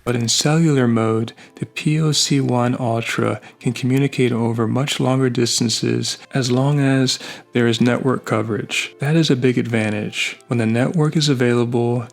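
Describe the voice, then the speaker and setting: A man narrating a scripted product review in measured, short, plain phrases. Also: medium pitch, gravelly.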